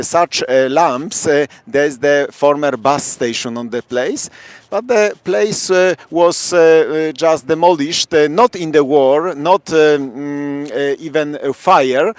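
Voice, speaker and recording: Polish tour guide, dry outdoor sound. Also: male voice, on the high side, no echo. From Poland. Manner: rambling, many fillers, halting non-native English. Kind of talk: live-streamed walking tour chat. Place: outdoors on a city square at night.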